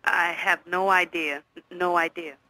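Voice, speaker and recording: Brief: bright-toned receptionist, polite and giggly, dry close sound. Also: female voice, fairly low pitch, steady tone, a little slow, dry recording, low-quality recording. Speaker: office receptionist. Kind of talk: phone call.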